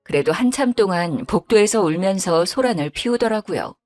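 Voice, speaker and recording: A woman's voice: medium pitch, animated, brisk, a little mellow. A woman in her fifties narrating her own family story in a matter-of-fact way. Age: 50s. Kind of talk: first-person story narration. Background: faint background music.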